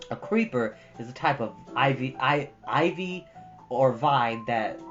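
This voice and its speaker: A woman hosting a storytime, narrating a book in an audiobook style. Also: rumbling low. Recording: dull audio over soft guitar music. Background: soft guitar music.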